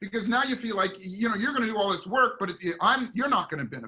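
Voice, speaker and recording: A man projects his raised voice with a bright, sharp tone. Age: 60s. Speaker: performance coach. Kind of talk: interview. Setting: podcast.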